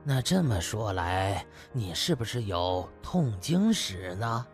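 A man voicing a proud, patient older physician who explains things slowly and deliberately in an audio drama. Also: lowish voice, very animated, soft background music, exaggerated voice. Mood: puzzled, patient. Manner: slow, deliberate explaining with pauses.

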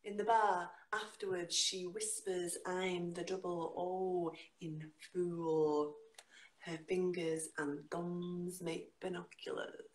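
A middle-aged woman with a Northern English accent, a guest poet who performs her spoken word and chats over a video call from home, with a lively, dramatic delivery. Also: slow. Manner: lively, dramatic delivery with sudden jumps in pitch. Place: home room, indoors. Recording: echoey room on a video call.

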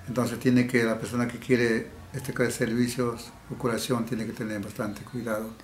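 A middle-aged man from the Peruvian Amazon whose first language is indigenous, answering interview questions haltingly and restarting his words. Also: mid-range voice, flat delivery. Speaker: healer interviewee. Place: indoor room. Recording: echoey room, faint background hiss.

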